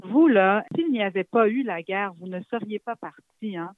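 A woman interviewer who asks slow, gentle, encouraging questions. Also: medium pitch, dry recording. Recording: dry phone-line audio.

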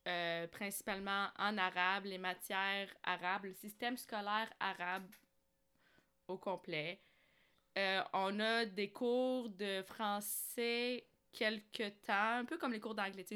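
A woman's voice: medium pitch, fairly even intonation, a little slow, sharp tone, clear, resonant tone. A woman from Algeria chatting casually as a podcast guest, telling personal stories. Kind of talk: casual conversational storytelling.

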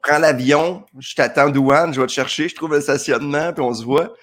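A man's voice: on the high side, fast, fairly bright tone. A man with a Quebec French accent hosting a casual interview, easygoing and asking questions. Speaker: host.

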